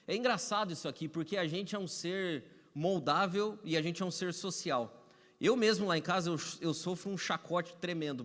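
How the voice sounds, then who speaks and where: A man's voice: high voice, fairly bright tone. A Brazilian man preaching a Sunday sermon as pastor, conversational and repetitive with touches of humor. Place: church sanctuary. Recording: echoey hall reverb.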